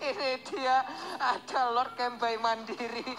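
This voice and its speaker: High pitched lady casting a game live, noisy broadcast behind her. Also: level tone, slow. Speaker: esports shoutcaster.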